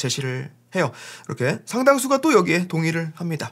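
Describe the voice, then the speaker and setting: Against a quiet background, a man with a high voice speaks with very wide pitch swings. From Korea. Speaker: priest lecturer. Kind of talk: lecture. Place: home room.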